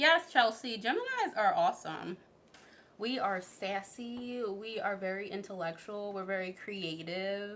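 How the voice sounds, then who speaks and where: Speaking with an American accent, a woman has an unremarkable speaking voice, a medium pitch, ordinary pitch variation and a fairly slow pace. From US Northeast, Philadelphia. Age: 20s. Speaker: vlogger. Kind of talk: casual live-stream chat.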